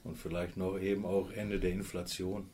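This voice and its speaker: A man in his sixties, a sales manager, speaking earnestly and in a measured way as a radio guest. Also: low voice, little pitch movement, mellow, a little hiss or hum. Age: 60s. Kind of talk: radio interview.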